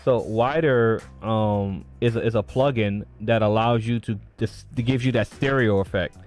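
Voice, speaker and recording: A man's voice: fairly low pitch, normal speed, darkish tone, faint music behind. Casual rambling man live streaming tech talk. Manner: loose and rambling, reads chat aloud and answers viewers. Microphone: streaming mic with audio filters.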